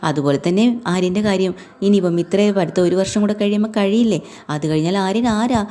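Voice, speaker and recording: A woman's voice: medium pitch, quick pace, dark tone, lightly acted. Woman voicing an easygoing middle-aged brother-in-law. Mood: matter-of-fact.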